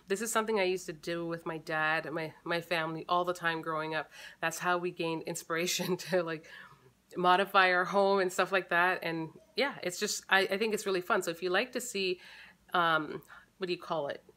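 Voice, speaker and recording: A woman's voice: lowish voice, pushed and bright. A woman in her thirties chatting casually to camera in her living room, thinking aloud with fillers and restarts. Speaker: family vlogger. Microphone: camera close in front.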